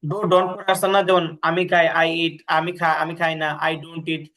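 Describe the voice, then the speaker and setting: A man's voice: fairly high pitch, level tone, fairly bright tone. Patient man tutoring English. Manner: patient, repeats drills and checks understanding; reads English sentences slowly, then gives the translation. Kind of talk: explaining grammar in a lesson.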